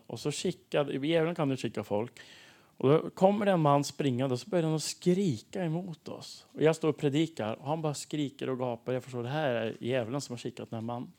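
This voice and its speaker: A man preaching and telling testimony stories in a lively way, acting out the dialogue of the people in them. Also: medium pitch. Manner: animated, acts out dialogue in stories. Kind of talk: sermon testimony storytelling.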